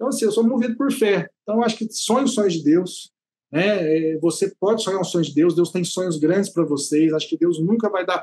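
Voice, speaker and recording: A man's high-pitched voice with a dark, mellow tone, ordinary pitch variation and a fairly quick pace. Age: 40s. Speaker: businessman. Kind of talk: testimony.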